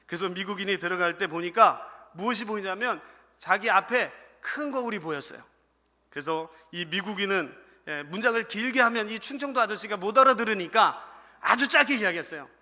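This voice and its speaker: A man's voice: high voice, bright, forceful tone. A man preaching a Sunday sermon as associate pastor, often calling out to the congregation and telling a humorous story. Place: church sanctuary. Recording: church hall reverb.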